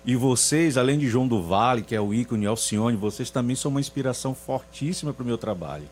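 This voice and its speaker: Man around 50, singer guest, reflective, hesitant restarts, mid-pitched voice. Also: fast talker, a little mellow, a little hiss or hum. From São Luís, Maranhão, Brazil. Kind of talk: radio interview.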